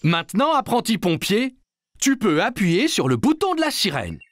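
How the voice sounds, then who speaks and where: A jovial cartoon fireman talks in an animated, swooping voice, hearty and encouraging as he explains things simply for children. There is music behind him. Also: high-pitched, normal speed, no room sound, studio quality. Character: friendly, jovial adult male firefighter showing children around. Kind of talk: French-dubbed children's cartoon acting.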